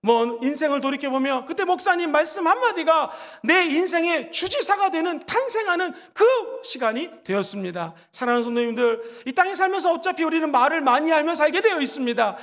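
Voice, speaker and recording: A man preaching a sermon as pastor, acting out quoted lines in animated voices. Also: very high-pitched, fairly quick, hardly any pauses. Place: church sanctuary. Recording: long church hall reverb.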